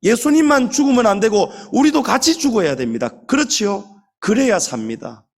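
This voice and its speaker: A male pastor preaching a Sunday sermon. He speaks emphatically, addresses the congregation directly and slows down to stretch key words. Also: high-pitched, very animated.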